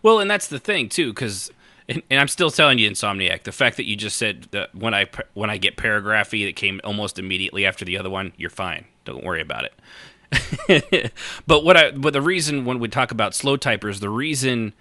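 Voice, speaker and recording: Male co-host, casual and blunt. Lowish pitch, forceful edge, close dry sound. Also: lively intonation, brisk, dry recording. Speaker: podcast co-host. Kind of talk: casual chat, answering listeners.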